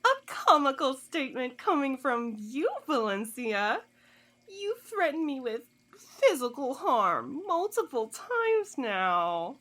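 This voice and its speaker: A woman's voice: sits high, big pitch swings, slow pace, a bit bright, heavily acted. An actress playing a haughty, sardonic woman cultist in an audio drama, speaking in theatrical, disdainful phrases. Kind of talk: scripted audio drama acting.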